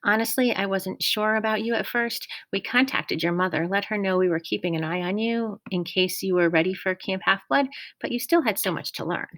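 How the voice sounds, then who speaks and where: Measured, formal old teacher read by a woman, kindly, dry close sound. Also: medium pitch, fairly bright tone, no room sound, natural voice. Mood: gentle.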